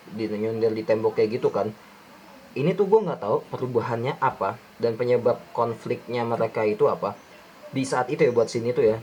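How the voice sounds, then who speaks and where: A man's voice: mid-range voice, warm tone, low-quality recording. Young guy w rambling thru a movie breakdown, lots of restarts, faint hiss behind. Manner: rambling, many restarts and fillers, slangy Jakarta-style speech. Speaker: film review YouTuber. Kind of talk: casual film breakdown commentary.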